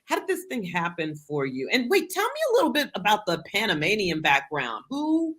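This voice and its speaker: A woman's voice: medium pitch, huge pitch swings, brisk, a bit bright. A woman podcast host interviewing a guest, enthusiastic and rambling in her questions with many fillers, over a video call. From United States. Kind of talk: casual interview.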